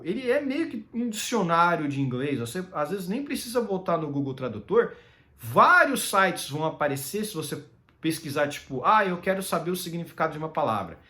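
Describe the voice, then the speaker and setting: A Brazilian man talks through his points in a loose, rambling way and keeps checking in with tag questions. His voice sits a little high for a man, and his pitch rises and falls a lot. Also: fairly bright tone. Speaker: commentator. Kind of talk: casual solo commentary.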